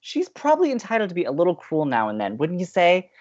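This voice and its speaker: An excitable young college radio host, acted by a man, idealistic and full of opinions. His pitch swings around in lively, playful banter, recorded with a slightly dull, lo-fi sound. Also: fast. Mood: indignant. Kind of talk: bantering audio drama acting.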